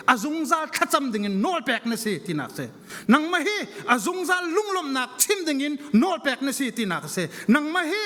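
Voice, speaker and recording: Male preacher, animated intonation, slow deliberate pace, fervent and repetitive delivery in a big echoing hall. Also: very high voice. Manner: emphatic and repetitive, drawing out key phrases. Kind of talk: fervent Pentecostal sermon. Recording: large reverberant hall.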